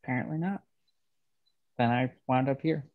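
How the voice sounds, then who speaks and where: A man playing a bitter young railroad worker in a dramatic table read, speaking in a halting, understated way. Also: medium pitch, phone-quality sound, lightly acted. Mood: bitter, subdued. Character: bitter young railroad man estranged from his ruthless father.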